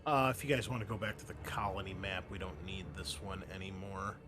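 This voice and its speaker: A man's voice: low voice, a little fast, music in the background. A man working as game master, casually narrating and explaining a tabletop game in an informal way.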